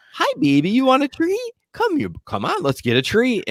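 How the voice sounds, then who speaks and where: The man adopts a put-on character voice, extremely high in pitch, and keeps a moderate pace. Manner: cooing, sweet.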